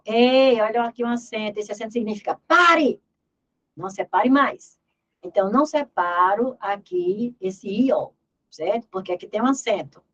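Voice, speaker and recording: A woman's voice: a little high, expressive, moderate pace, fairly bright tone, lo-fi sound. A woman teaching an exam review lesson in Portuguese grammar, emphatic and repeating key words as she drills terms aloud.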